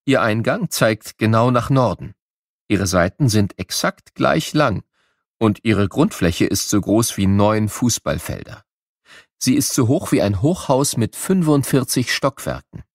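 Man, slightly deep voice, children's educational narrator, scripted, explanatory storytelling, very dry studio sound. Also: very animated, unhurried, no room sound.

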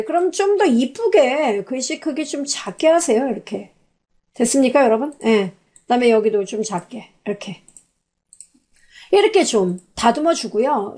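A woman's voice: high voice, darkish tone. A woman teaching a spreadsheet tutorial over her screen, chatty, putting questions to the class and answering them herself. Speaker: computer instructor. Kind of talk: spoken software tutorial.

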